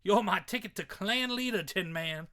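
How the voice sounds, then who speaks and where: A man's voice: high-pitched, moderate pace, sharp tone, pitched above the performer's own voice. A man voicing a cocky half-vampire, half-werewolf redneck villain with a put-on Southern accent, taunting as he reads a comic book aloud. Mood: gloating. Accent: put-on American South. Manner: taunting, drawling threats.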